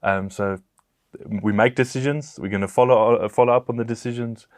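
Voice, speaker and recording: A man co-hosting a Christian podcast who talks haltingly, often restarting his sentences. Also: mid-range voice, fairly even intonation, no echo, studio quality. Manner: halting, hesitant, many restarts. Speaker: podcast co-host.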